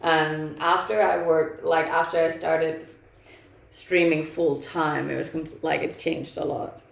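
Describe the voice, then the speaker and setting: A woman's voice: low voice, level tone, a little slow, gravelly, roomy sound, rough recording. A young woman from Denmark whose first language is Danish, chatting casually on a live stream and reading out viewer comments, laughing often and using many fillers.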